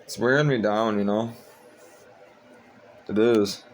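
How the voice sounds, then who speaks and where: A young man talking casually to his viewers at home, sleepy and monotone, rambling with lots of fillers. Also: on the low side, slow, slight background noise. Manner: monotone, meandering, frequent fillers. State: tired, sleepy. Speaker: vlogger.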